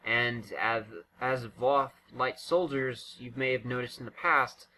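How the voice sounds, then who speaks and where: Halting male gamer with bright, sharp voice. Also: medium pitch, fairly even intonation, slight background noise, poor audio. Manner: rambling, halting, self-interrupting. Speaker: gaming video commentator. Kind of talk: casual unscripted game walkthrough commentary.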